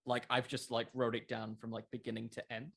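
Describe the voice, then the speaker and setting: A man's voice: mid-range voice, completely flat delivery, brisk, creaky. Young man in casual interview chat. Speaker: podcast creator, interview guest.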